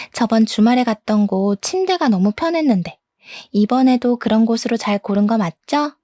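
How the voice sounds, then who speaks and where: A woman's voice: on the high side, a little mellow, dry recording, studio quality, natural voice. Woman playing a clingy young mistress. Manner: coaxing, clingy. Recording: played from a voice recorder.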